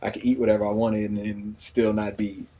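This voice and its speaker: A man's voice: lowish voice, level tone, fairly quick, dark tone. A man in his forties talking casually in an interview, easygoing and rambling, often saying "you know what I mean.". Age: 40s. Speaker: radio personality and new father.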